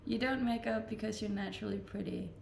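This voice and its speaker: Danish-accented female streamer, gravelly, chatty and self-deprecating, echoey room with faint noise. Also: mid-range voice, fairly even intonation, moderate pace. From Denmark. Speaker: Twitch streamer. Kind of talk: casual live-stream chat, reading out and answering viewer comments.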